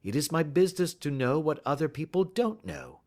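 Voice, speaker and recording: A man voicing a calm, shrewd gentleman detective who speaks blandly and with assurance in a storybook reading. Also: fairly high pitch, normal speed, voice pushed up. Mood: bland assured. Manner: bland, smooth and self-assured.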